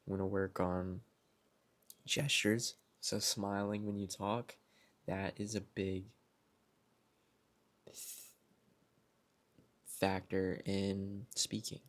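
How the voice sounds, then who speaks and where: Young male vlogger, flat monotone delivery, talks himself through his goals at home. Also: deep voice. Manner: reflective, self-motivating, unhurried. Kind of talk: casual vlog talking to camera. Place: at home, indoors.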